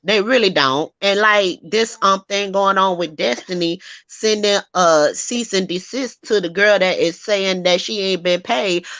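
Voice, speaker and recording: Sassy, animated woman hosting a gossip show. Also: medium pitch, a little slow, hardly any pauses, no echo. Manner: animated, sassy, emphatic, laughs often. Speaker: host. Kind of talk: casual gossip chat.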